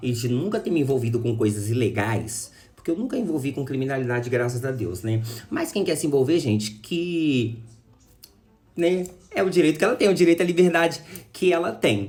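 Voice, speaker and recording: A man's medium-pitched voice at a fairly quick pace with lively intonation, music in the background. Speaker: YouTuber. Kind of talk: casual vlog monologue. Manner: fast; halting.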